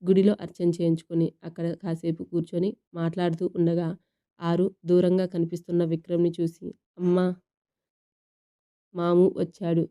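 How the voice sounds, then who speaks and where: A woman narrating a family love story in a steady, measured reading. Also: fairly low pitch, clear, resonant tone.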